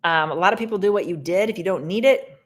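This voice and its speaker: A middle-aged woman hosting a casual live Q&A, answering viewer questions in a brisk, direct way. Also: on the low side.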